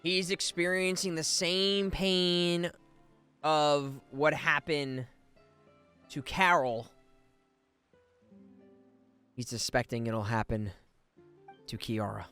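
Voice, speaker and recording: A man's voice: on the high side, slow, pauses often, bright, forceful tone, clear, resonant tone. A man giving casual, enthusiastic livestream commentary on a video game, tossing in slangy asides. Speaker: game streamer, voice actor. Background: faint game music.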